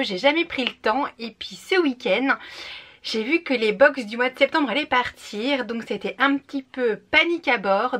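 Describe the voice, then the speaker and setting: A woman's voice: a little high, a bit bright. A young woman who is a native French speaker, chatting through a casual book box unboxing with enthusiasm and frequent fillers. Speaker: book vlogger.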